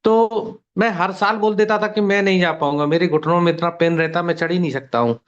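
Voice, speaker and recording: Higher-voiced man in his fifties on a muffled call. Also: fairly quick. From India, near Gwalior. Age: 50s. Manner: steady, detailed storytelling. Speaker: testimonial guest. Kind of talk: personal testimony on a video call. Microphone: video call. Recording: muffled online call audio.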